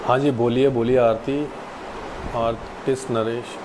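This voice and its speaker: Man, late twenties, casual live chat, polite, average pitch, faint hum behind. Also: little pitch movement, unhurried. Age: 20s. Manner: polite, addresses viewers with "ji". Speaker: actor hosting a live Q&A. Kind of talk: casual live-stream chat answering viewers.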